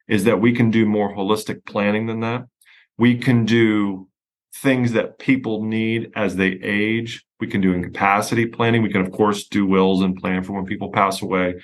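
Low-voiced middle-aged lawyer from Pennsylvania, friendly, explains with restarts. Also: male voice. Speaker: estate planning attorney, guest. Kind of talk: podcast interview.

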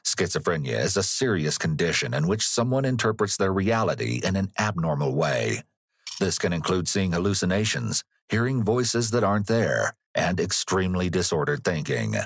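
A man narrating a crime podcast in a measured, explanatory scripted read. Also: low voice, very animated, husky, no room sound.

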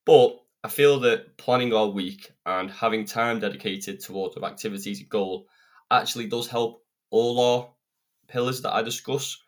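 Speaking at a normal speed into a podcast mic, a low-voiced host delivers a solo self-improvement monologue. A cold leaves him a bit croaky and sniffly, yet he stays earnest, chatty and prone to rambling.

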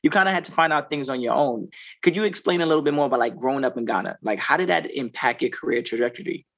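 A man hosting an interview show talks fast and upbeat, circling his questions with fillers. His voice is gravelly and a little husky. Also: mid-range voice, animated, fairly bright tone, dull audio. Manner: upbeat, repetitive, lots of fillers. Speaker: podcast host.

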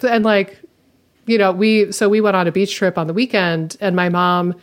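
A woman's voice: medium pitch, fairly even intonation, normal speed. A woman co-hosting a podcast, talking in a casual, chatty way and filling her sentences with "like.". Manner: chatty, lots of "like" fillers. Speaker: podcast co-host. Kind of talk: casual chat.

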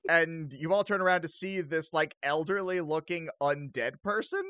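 A dungeon master running a tabletop game in casual banter, self-deprecating and given to sudden loud bursts. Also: mid-range voice, normal speed, noisy background.

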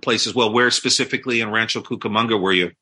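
A man's voice: fairly low pitch, quick pace, bright, forceful tone, breathy edge. A man hosting an interview, chatty and affirming, asking follow-up questions. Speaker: podcast host. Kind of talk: interview conversation.

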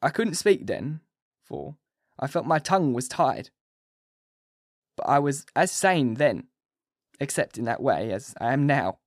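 A man's voice: medium pitch, lively intonation, a little slow, dry recording, studio quality. A man voicing a dying male asylum patient who talks in urgent, strained pleading.

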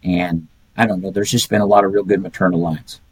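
A man's voice: low voice, steady tone, fairly quick, breathy edge, dry recording, rough recording. An older man, telling folksy stories as a podcast guest and chuckling often. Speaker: guest, retired pedigree reader. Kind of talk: casual podcast chat.

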